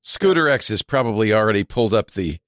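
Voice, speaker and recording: A man hosting a tech podcast, chatting casually and teasing his co-host with quick jokes and easy laughter. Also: fairly low pitch, expressive, a bit bright, no echo, clean studio sound. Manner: jokey, teasing, laughs easily. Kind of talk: casual tech show chat.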